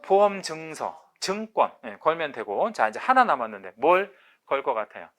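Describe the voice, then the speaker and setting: Male lecturer, animated rising-falling pitch, somewhat high voice, quizzing, repeating key terms. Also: normal speed. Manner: quizzes students with questions and repetition. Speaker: real estate agent exam lecturer. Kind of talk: online exam-prep lecture.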